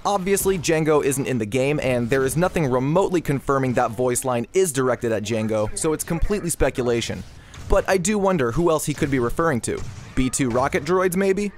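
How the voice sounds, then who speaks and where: A man's voice: mid-range voice, animated, a little fast. A man presenting scripted video game news commentary as the host of an online channel.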